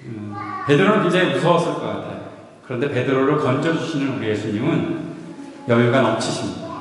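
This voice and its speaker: A man's voice: medium pitch, animated, fairly quick. A man preaching a sermon as pastor, playful and often laughing as he asks the congregation questions. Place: church sanctuary. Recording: echoey hall from far off.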